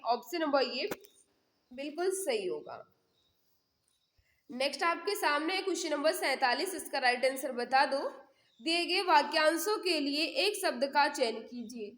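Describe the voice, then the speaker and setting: High-pitched woman teaching a live quiz class. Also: a bit bright, roomy sound. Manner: instructional, repeats questions and answers, prompting listeners. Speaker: exam prep teacher hosting a live class. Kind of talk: live quiz lesson, reading questions and answers aloud.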